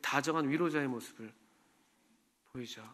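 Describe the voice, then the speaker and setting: A man's voice: mid-range voice, moderate pace, a bit bright, a little hiss or hum. A man preaching a sermon in a church, talking conversationally and asking the congregation questions. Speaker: pastor.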